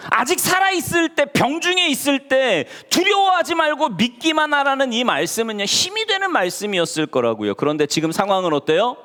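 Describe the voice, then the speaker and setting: A man's voice: high-pitched, fairly quick, hardly any pauses. A male pastor preaching a sermon in a church, talking to the congregation and acting out the people he quotes. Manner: animated, acts out quoted voices. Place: church sanctuary. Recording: church hall reverb.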